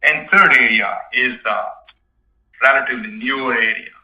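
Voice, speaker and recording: Male company executive, mid-pitched, spontaneous point-by-point earnings-call answers, sounds off-mic in a roomy space. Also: moderate pace. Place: conference call. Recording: roomy, distant, dull conference-call audio.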